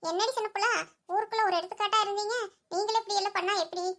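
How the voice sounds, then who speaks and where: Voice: very high-pitched, fairly even intonation, rapid-fire, a bit bright. Nila, a performer voicing a nosy village gossip. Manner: prying, lecturing. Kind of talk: cartoon voice acting.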